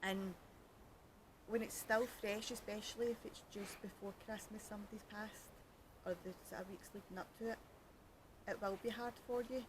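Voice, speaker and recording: Chatting casually outdoors by a canal at night, a Glaswegian Scottish podcast host rambles and jokes, often at her own expense, while cold with freezing fingers. Her voice is medium-pitched and steady at a normal speed, over a noisy background.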